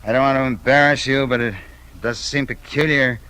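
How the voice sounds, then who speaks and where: An actor playing a brash, ambitious American investigator in a 1950s radio drama, folksy and halting. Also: male voice, medium pitch, fairly even intonation, pushed and bright, clean tone, lightly acted. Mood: eager. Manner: folksy, hesitant with many ums.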